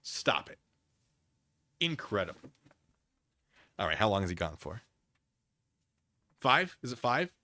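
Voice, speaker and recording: A male streamer talks to his chat in a casual but theatrical way. His pitch swings widely around an average register, and he leans hard on his points. The voice is bright and sits in a dry space. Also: sing-song, slow pace, long pauses, no echo. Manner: theatrical, emphatic, exasperated debating. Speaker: livestream host. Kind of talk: casual livestream chat with viewers.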